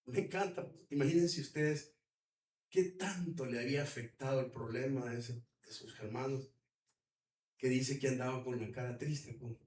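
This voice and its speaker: A man's voice: medium pitch, moderate pace, darkish tone. A man with a Salvadoran accent preaching a conversational sermon as pastor, speaking colloquially and asking the audience questions. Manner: colloquial, asks the audience questions, acts out quotes. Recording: echoey hall, mic at a distance.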